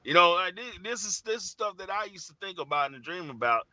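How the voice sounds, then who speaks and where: Earnest man in his forties, bright voice. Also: sits high, sing-song, brisk, no echo. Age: 40s. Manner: earnest and searching, full of "you know" and restarts. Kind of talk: reflective conversational interview.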